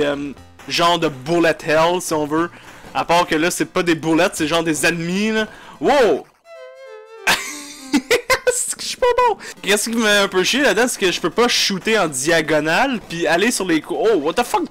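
A man's voice: fairly high pitch, a bit bright. A man with a Quebec French accent giving casual, profane gameplay commentary and mixing in English phrases. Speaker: let's play gamer.

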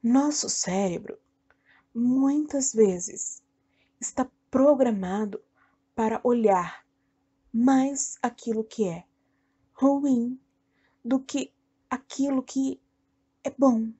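A Brazilian woman leading a guided meditation in a soothing, deliberate way, speaking in short phrases with long pauses. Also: a little high, warm tone, breathy edge, lo-fi sound. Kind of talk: guided meditation, self-hypnosis narration.

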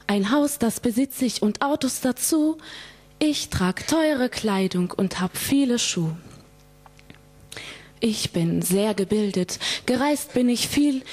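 A woman reciting a rhymed religious poem in a measured, earnest way with deliberate pauses. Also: a little high, a little mellow. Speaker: poet reciting own poem at a church.

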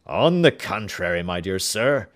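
A man doing a loud, effusive king. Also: low voice, very animated, unhurried. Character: excitable, grandly emotional male king.

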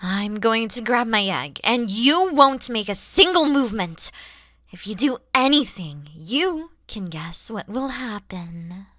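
A woman's voice: a little high, expressive, takes it slowly, pushed and bright, no echo, studio quality, heavily acted. A woman voicing a proud, wary, motherly female dragon in a theatrical, menacing ASMR roleplay, at times dropping into whispers. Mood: suspicious, stern. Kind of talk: ASMR audio roleplay acting.

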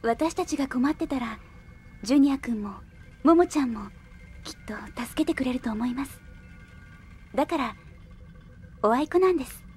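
A decisive young woman leading her team in an anime radio play. Her voice is very high, and she comes across as caring and quick to take charge. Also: animated, a little mellow, soft background music. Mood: pensive. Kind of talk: anime audio drama acting.

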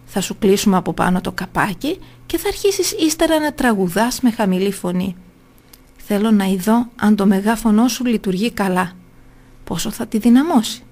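A woman's voice: mid-range voice, expressive, a little mellow. A woman putting on a cunning male tyrant in a storybook reading. He commands curtly and mocks his victim with cold cruelty. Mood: commanding. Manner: curt, commanding, mocking.

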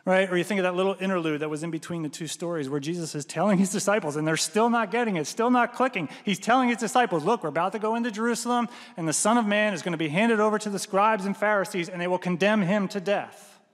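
A man in his thirties delivers an animated sermon as pastor, his voice pitched notably high for a man. He talks on a headset mic, often checking in with "right?", and the sound hangs in a long reverb from the large church hall. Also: fast talker, few pauses. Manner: animated, gestures broadly, often adds "right?".

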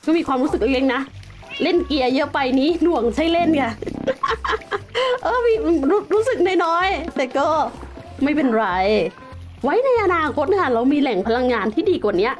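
A young woman giving casual, excitable gameplay commentary as a game host, full of exclamations. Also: sits high, a little fast, soft background music.

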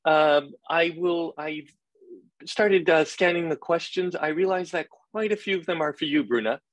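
A middle-aged man moderating a webinar panel over a video call, speaking politely and in a measured way, with fillers. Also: fairly high pitch, no room sound. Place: office room, indoors.

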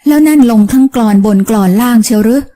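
A frail, elderly mistress of the house speaks in a hoarse, dry voice, put on by a woman narrator. She teases her old servant in a mellow, fairly high tone. This is an audiobook reading. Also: quick pace, lightly acted. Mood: teasing.

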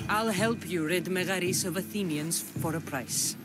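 A woman's voice: on the low side, moderate pace, lightly acted. A woman playing a cool, defiant young mercenary warrior in game dialogue, dry, guarded and challenging. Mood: businesslike. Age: young adult. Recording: music behind the voice.

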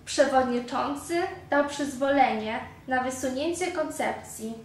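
A woman narrating a story in a steady, even reading voice. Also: sits high, a little slow, slight background noise. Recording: very echoey room, far from mic.

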